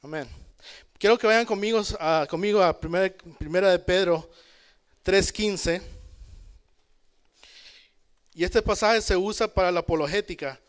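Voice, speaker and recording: A man's voice: high-pitched, moderate pace. A man from El Salvador, teaching a Bible study to a church congregation in a conversational way, calling out amen and checking in with his listeners. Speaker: preacher. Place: church in Canada.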